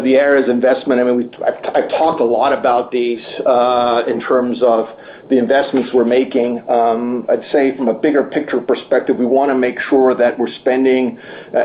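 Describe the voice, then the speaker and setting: A male executive answers questions on an earnings call. His pitch moves little and he halts and repeats words as he builds each point. The sound is muffled, with a faint noise behind him. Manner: halting, repeats words as he goes. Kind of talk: answering analyst questions on a business conference call. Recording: muffled conference line with background noise.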